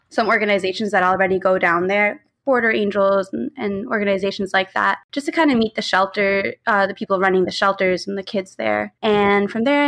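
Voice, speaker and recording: A woman in her thirties from Long Island, New York, tells stories casually as an interview guest. She has an American accent, though Spanish is her first language. Her voice is medium in pitch with a fairly bright tone.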